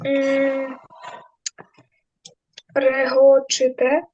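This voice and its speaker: A pupil answering her teacher slowly and hesitantly over online class audio. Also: high-pitched, monotone, darkish tone. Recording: dull, lo-fi online call audio.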